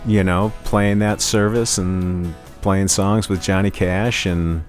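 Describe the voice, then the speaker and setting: A man's voice: deep voice, steady tone, slow, faint music behind. A man guest in a casual interview, telling stories about his life as a musician, rambling with many restarts and "you know"s.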